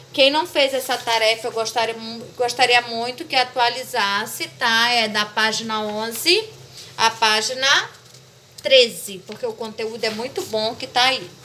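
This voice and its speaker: High bright-voiced teacher explaining. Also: female voice, slight background noise. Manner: patient, repeats "tá?" to check understanding. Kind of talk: remote class explanation.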